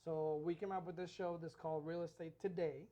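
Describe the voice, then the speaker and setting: A man co-hosting a casual podcast as a real estate agent, relaxed and chatty with many fillers. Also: fairly high pitch, brisk. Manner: relaxed, repeats himself, filler-heavy.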